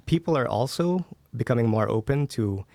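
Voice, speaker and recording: Guy with a gravelly creaky voice chatting on a podcast, polite, dry studio. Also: medium pitch, expressive, moderate pace, darkish tone, dry recording. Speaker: guest, company co-founder. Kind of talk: casual conversational commentary.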